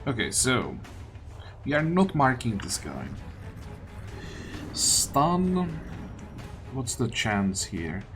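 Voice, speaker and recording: A man's voice: mid-range voice, very animated, extremely slow, pauses often, fairly bright tone. A man giving casual gameplay commentary, thinking aloud and muttering questions to himself as he plays. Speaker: gaming video host. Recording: game music behind the voice. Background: video game music.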